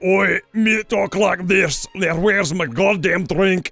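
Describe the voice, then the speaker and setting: A man puts on a high-pitched character voice at a fairly slow pace while faint music plays in the background. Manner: gruff.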